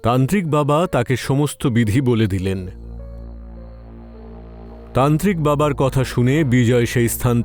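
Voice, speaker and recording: A man's voice: mid-range voice, a little mellow. A man narrating a scripted horror story in a dramatic storytelling style.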